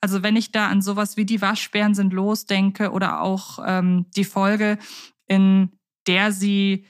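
A woman's voice: medium pitch, little pitch movement, unhurried. A woman co-hosting a podcast, chatting casually and thinking aloud with fillers. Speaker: podcast co-host.

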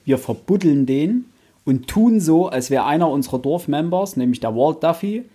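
Husky, mellow man chatting casually. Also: fairly high pitch, lively intonation, moderate pace. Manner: colloquial, explains plot step by step. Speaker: podcast co-host. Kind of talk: casual book discussion.

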